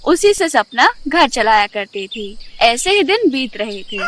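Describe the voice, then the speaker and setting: A woman's voice: high-pitched, no echo. A woman narrating a scripted children's fairy tale as the storyteller.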